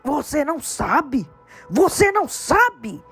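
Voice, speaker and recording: A woman voicing a huge, gruff half-giant man who bellows in slow, emphatic outbursts. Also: high-pitched, big pitch swings, fairly bright tone, soft background music, pitched above the performer's own voice, full character voice. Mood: indignant.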